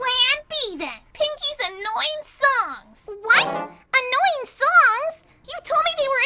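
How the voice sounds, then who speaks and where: In a cartoonish character voice, a female-sounding voice sits at an extremely high pitch for a woman. The pace is very slow, with hardly any pauses. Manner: bubbly, sing-song.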